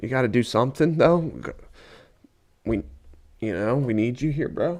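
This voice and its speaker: Using a plain, everyday voice, a man speaks at a medium pitch and moderate pace with lively intonation. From Pennsylvania, about an hour north of Philadelphia. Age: 30s. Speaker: live streamer. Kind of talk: casual live-stream chat with viewers.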